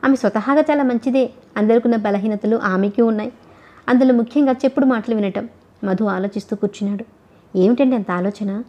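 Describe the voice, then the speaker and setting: A woman narrating a novel as an audiobook reader, in a steady, even storytelling manner. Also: on the high side, fast talker, dull audio.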